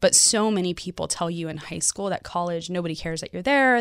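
In a very clean recording with a silent background, a woman with an ordinary speaking voice talks at medium pitch and a fairly quick pace, with lively intonation. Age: 30s. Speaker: author and advocate for foster youth. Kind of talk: interview.

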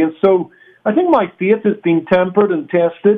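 A man with a Northern Irish accent at a fairly quick pace. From Northern Ireland. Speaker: pastor and radio Bible teacher. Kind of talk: radio interview. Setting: phone call. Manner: earnest, preacherly.

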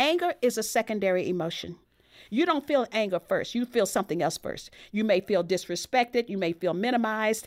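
A woman with a plain, everyday voice, fairly high pitch and lively intonation at a fairly quick pace, in a dry, close, echo-free and very clean recording with a silent background. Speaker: Bible teacher and author. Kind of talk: interview conversation about faith.

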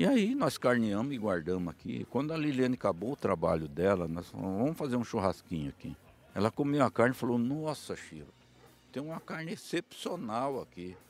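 His pitch sits in the medium range yet swings very widely as this man speaks at a fairly quick pace. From interior of São Paulo state, Brazil. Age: 70s. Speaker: cattle rancher. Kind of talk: casual chat. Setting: outdoors. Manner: animated.

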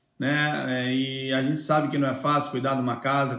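With monotone, flat intonation and a fairly high pitch, this man speaks at a moderate pace. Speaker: former pro surfer, father of guest. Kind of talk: interview. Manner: halting, hesitant.

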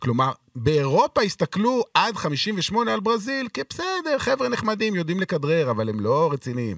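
A man's high pitch with very wide pitch swings, a moderate pace and hardly any pauses, in a very clean recording with a silent background and a dry, close sound with no echo. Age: 60s. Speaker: sports broadcaster and podcast host. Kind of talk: casual chat.

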